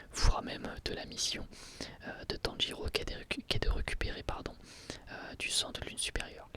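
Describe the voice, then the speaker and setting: A man whispering an ASMR review of an anime episode as the channel host, speaking hesitantly with frequent filler sounds and restarts. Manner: soft whisper throughout.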